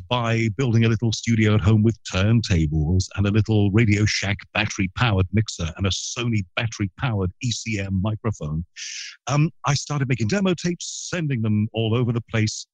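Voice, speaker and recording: A middle-aged radio broadcaster from Liverpool with a trained neutral English accent tells long, rambling stories with plenty of asides in a guest interview. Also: male voice, mid-range voice, no echo, low-quality recording. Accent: neutral southern English broadcast accent. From Liverpool, England. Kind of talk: anecdotal interview storytelling.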